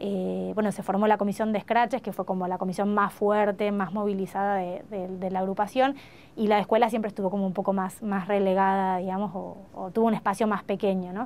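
Medium-pitched woman's voice, monotone and flat, with hardly any pauses. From Argentina, Buenos Aires. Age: 30s. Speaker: sociologist and education program coordinator; interviewee. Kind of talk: testimony interview. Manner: halting, many fillers. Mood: earnest, reflective. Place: studio.

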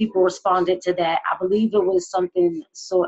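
A woman speaks with a New York accent at a medium pitch. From Brooklyn, New York. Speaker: team member in a travel business. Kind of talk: video call Q&A. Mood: earnest, reflective. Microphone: video call.

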